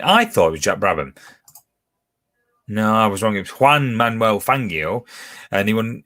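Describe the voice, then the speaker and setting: Bloke running a pub quiz from home, chatty, voice bouncing up and down a lot. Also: male voice, fairly low pitch, a bit bright. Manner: chatty, reads questions then answer options aloud. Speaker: quiz host. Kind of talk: live online pub quiz hosting.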